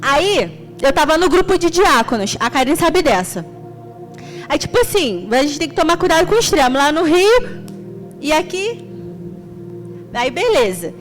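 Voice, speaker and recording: A young woman from Rio de Janeiro with a Carioca accent, preaching an extroverted, animated sermon as a church deaconess. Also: sits high, normal speed, long pauses, faint music behind. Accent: Carioca Portuguese. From Rio de Janeiro, Brazil. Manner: extroverted, animated storytelling with laughter.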